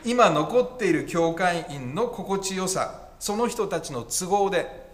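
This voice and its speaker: Animated, higher-pitched male pastor. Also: measured pace. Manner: conversational, with wry self-corrections and asides. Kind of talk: sermon.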